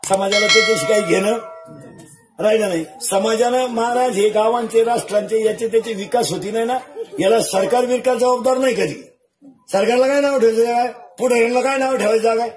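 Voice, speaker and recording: A man's voice: sits high, a little mellow. A man preaching a comic devotional sermon, peppering a live audience with jokes and rhetorical questions. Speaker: kirtan preacher. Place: live gathering before an audience. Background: crowd of listeners.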